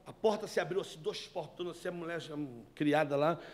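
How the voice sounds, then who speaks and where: A man from Rio de Janeiro gives an animated sermon testimony, calling his listeners brothers as he tells a story indoors. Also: a little high, a little fast. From Brazil, Rio de Janeiro. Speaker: evangelist giving testimony. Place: indoor meeting room.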